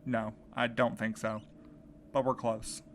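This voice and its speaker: A man's voice: on the low side, little pitch movement, slow pace. Man acting as Milo, an earnest, desperate searcher. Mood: tense, focused. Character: Milo, desperate, determined man searching for his missing husband. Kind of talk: audio drama podcast acting. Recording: clear background noise, ambient sound bed.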